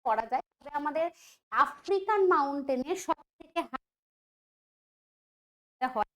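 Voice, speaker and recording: A woman's voice: high-pitched, expressive, measured pace. A woman teaching an online quiz lesson, chatty and thinking aloud, often asking the students questions. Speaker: exam prep teacher.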